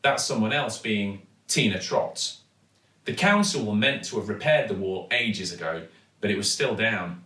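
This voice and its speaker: Give me a male storyteller with a bright, dramatic delivery for children, recorded in an echoey room. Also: fairly low pitch, expressive. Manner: dramatic, deliberate emphasis. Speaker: actor reading a children's story. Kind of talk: expressive storybook narration. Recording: echoey room, distant microphone.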